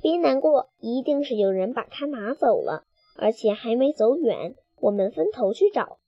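A woman's voice: high-pitched, sing-song, a little fast, slightly rough, no echo, muffled recording, faint music behind, heavily acted. A woman voicing a kind, encouraging little hen in a storybook. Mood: soothing.

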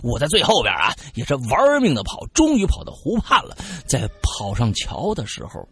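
A man telling a spooky story in an animated, dramatic way. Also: mid-range voice, moderate pace, a little hiss or hum. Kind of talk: casual spoken ghost story.

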